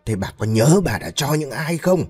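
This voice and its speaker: A man's voice: medium pitch, animated, moderate pace, husky, pitched above the performer's own voice. A furious middle-aged husband barks and roars in a sharply raised, wildly swinging voice, as a male storyteller plays him. Bitter and stern, he hammers every question home. Faint music plays behind. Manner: shouting, accusing.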